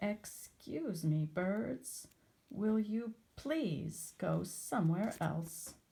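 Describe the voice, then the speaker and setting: A woman's put-on character voice, fairly low in pitch, at a very slow pace. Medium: read story. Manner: anxious, fussy.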